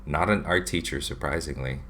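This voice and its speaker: This livestream host, a man in his thirties from the Philippines, has a brisk, sharp bass voice and faint background noise. He runs a drawing channel from his home room, where shelves hold figures, reading viewer questions aloud on a desk webcam and chatting through answers with plenty of fillers.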